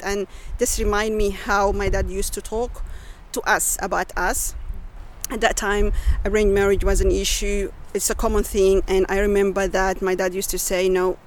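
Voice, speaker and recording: A woman's voice: mid-range voice, slight background noise, poor audio. A woman, a community radio co-founder speaking reflectively in a casual interview, often restarting as she searches for words. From Sudan.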